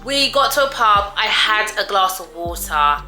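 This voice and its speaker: A woman's voice: medium pitch, lively intonation, a little slow, sharp tone, reverberant, faint music behind. A woman vlogging a restaurant review, telling a story in a chatty, dramatic way and calling her viewers guys and darling. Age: older than her friends, adult. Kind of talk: casual storytelling to camera.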